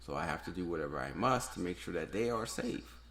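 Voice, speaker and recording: A man's voice: sits low, animated, brisk, a bit bright. A man who grew up in New Orleans, hosting a solo podcast and ranting earnestly, with repeated phrases for emphasis. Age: adult, has daughters. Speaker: podcast host.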